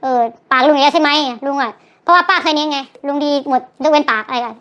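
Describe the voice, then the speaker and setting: Older woman, high voice, fast talker, rambling, sore throat. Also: a bit bright, muffled recording. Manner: rambling, chatty, self-correcting. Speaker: vlogger. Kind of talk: recorded clip of casual storytelling.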